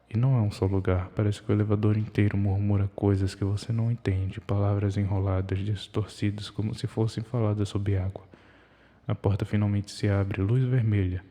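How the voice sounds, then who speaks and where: A man reading a scripted horror story in the second person, measured and ominous, in short broken phrases. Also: lowish voice, mellow. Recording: long hall reverb.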